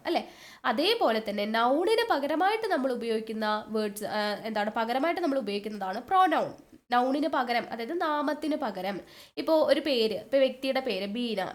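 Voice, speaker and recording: Woman teacher, high-pitched, drills terms by question and repetition. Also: a bit bright. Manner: asks questions then answers them, repeats terms slowly. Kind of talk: exam-prep grammar lesson.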